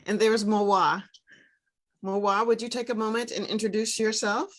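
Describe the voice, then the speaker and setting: Woman hosting an online class, medium pitch. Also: fairly even intonation, normal speed. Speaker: host and teacher of an online English class. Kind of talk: casual class moderation.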